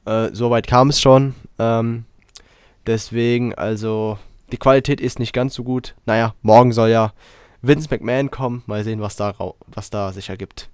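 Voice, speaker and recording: A man hosting a casual podcast while he has a cold, talking in a rambling, relaxed way with lots of fillers. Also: mid-range voice, normal speed, clear, resonant tone, dry recording, studio quality. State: has a cold, hoarse throat. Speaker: podcast host.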